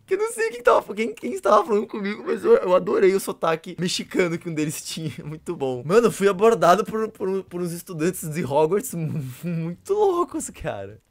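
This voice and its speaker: A man giving gaming stream commentary, excitable and often laughing and shouting. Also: high-pitched, fairly quick, vocal fry.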